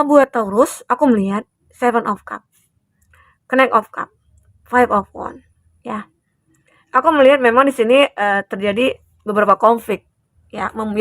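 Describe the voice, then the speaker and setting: A woman giving a collective tarot reading, advising the listener gently and filling pauses with a soft "ya". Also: on the high side, gravelly, dry recording, studio quality. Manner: soothing, advising, with frequent tag "ya". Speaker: tarot reader.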